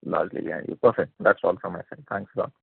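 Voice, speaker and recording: A male analyst with a creaky, lowish voice asks probing questions on an earnings call. He comes through a dry, narrow phone line. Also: very fast, dry recording. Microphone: telephone conference call.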